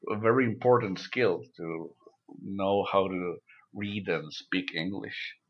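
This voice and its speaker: A man from Mexico, a native Spanish speaker, talks in English in a slow, deep voice. He recalls things haltingly, with frequent restarts. The sound is a little dull and lo-fi. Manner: measured, halting recollection with restarts. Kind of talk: casual conversation.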